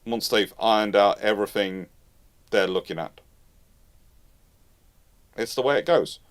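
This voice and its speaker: A man hosting a live talk, explaining things off the cuff in an animated, emphatic way, often rephrasing mid-sentence. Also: lowish voice, unhurried. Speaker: host of naval history live Q&A. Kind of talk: off-the-cuff explanatory commentary, answering listener questions.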